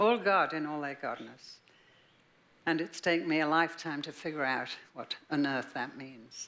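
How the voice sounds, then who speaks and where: In an English accent, the speech moves at a moderate pace on a very clean recording with a silent background. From England. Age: 80s+. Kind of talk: sermon. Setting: church with audience.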